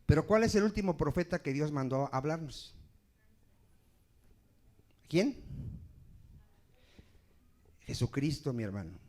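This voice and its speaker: A man's voice: medium pitch, a little mellow. A man preaching a sermon as pastor in a church, emphatic and asking the congregation questions.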